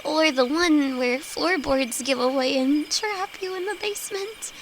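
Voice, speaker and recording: A woman's voice: sits high, unhurried. A woman acting a timid, affectionate young apprentice alchemist in an intimate audio roleplay, nervous, stammering and hesitant, speaking to her best friend. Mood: frightened rambling. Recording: insect and cricket noise behind voice. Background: night forest ambience with crickets.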